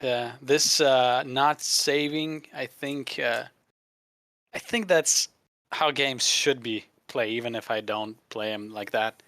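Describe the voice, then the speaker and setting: Slow-talking guy on a podcast, lots of um and you know, dry close mic. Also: medium pitch, steady tone, pushed and bright, dry recording. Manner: halting, many fillers. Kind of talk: casual discussion.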